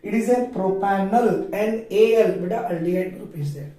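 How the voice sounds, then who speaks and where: A man's voice: high-pitched, moderate pace, warm tone. A man with a South Asian accent teaching an online chemistry lesson, asking his own questions, repeating points and spelling terms out. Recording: echoey room, far from mic.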